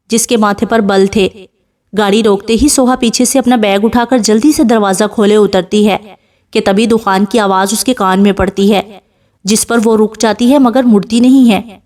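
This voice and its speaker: Woman narrating a novel, fairly high voice. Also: a little mellow. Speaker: novel reader. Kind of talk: scripted audiobook narration.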